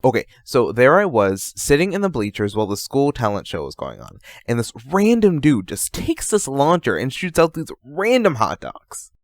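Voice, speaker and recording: A man's voice: mid-range voice, wildly swooping pitch, moderate pace, hardly any pauses, no echo, clean studio sound. A man playing an eager, chatty young hero, a friendly joker, in an amateur audio drama. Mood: amused, chatty.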